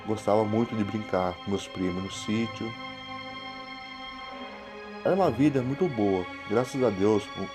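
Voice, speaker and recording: A man with a Brazilian accent narrates in a fairly low voice. His delivery is plain and unpolished, like a self-made storyteller hosting a channel. Music plays clearly behind him throughout. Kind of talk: scripted narration. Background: prominent music.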